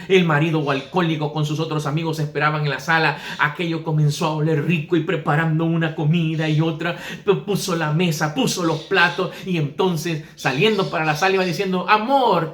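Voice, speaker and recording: A man preaching a sermon, telling a story in an animated, emphatic way. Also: on the high side, brisk, few pauses, echoey room.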